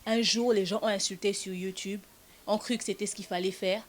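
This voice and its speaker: A woman hosting a casual web show, talking in an indignant, animated way and mixing French with Lingala. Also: mid-range voice, fairly quick. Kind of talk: casual chat.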